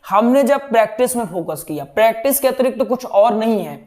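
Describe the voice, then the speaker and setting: A man's voice: very high-pitched, a little fast, a little mellow. A young man teaching would-be katha speakers in a chatty style, often checking in with his listeners. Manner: conversational, keeps checking in with "right?". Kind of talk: teaching talk to students.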